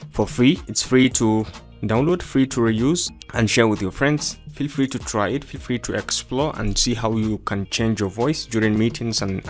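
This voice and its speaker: A man giving an explanatory software tutorial as presenter, with formal, instructional phrasing. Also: fairly low pitch. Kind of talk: explanatory screen-recording tutorial. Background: background music.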